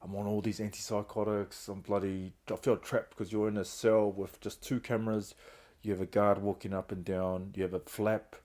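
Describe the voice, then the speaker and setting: Casting: middle-aged New man, earnest guest, flat low delivery. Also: moderate pace, few pauses. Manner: earnest, open, speaks of hard times with emotion. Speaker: guest, founder of a reintegration trust. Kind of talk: candid personal storytelling.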